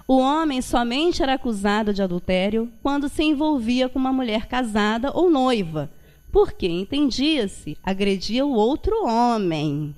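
She is a Spiritist centre guest lecturer from Rio, Brazil, speaking informally and reflectively in a hall with a projection screen. Her unhurried, slightly mellow voice sits on the high side with big pitch swings, and she often tacks on little checking tags.

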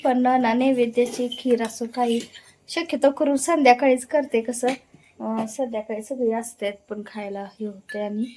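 A woman from Maharashtra, India, with a fairly high voice, chatting easily through her daily chores at home. She explains everything as she goes and scatters small fillers through her sentences. A faint hiss of noise sits under her voice. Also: dark tone. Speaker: home vlogger. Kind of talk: casual vlog narration. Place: at home, in her kitchen and yard.

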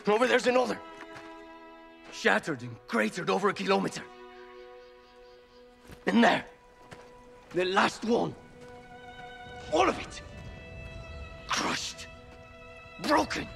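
High-voiced, anguished pilot. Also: male voice, big pitch swings, slow, gravelly, long pauses, bright, forceful tone, faint music behind, exaggerated voice. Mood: bitter dismay. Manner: anguished, bitter, emotional. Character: frightened, despairing male pilot, self-loathing civilian. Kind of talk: dramatic video game cutscene acting.

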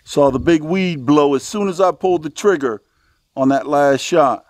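Middle-aged American male, fairly high voice, folksy outdoor host commenting casually at a shooting range, dry sound with little echo. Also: moderate pace, a little mellow. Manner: folksy, exclamatory, addresses viewers as folks. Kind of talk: casual commentary to viewers while target shooting.

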